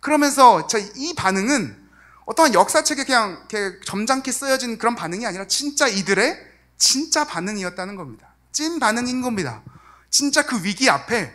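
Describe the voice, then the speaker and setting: An evangelist preaching a sermon in a church, lively and acting out the quoted lines in voices. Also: mid-range voice, a little fast. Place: church sanctuary.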